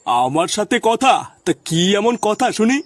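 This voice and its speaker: A performer voicing a middle-aged village father in a comic cartoon, gruff, suspicious and curt. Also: mid-range voice, big pitch swings, measured pace, no room sound.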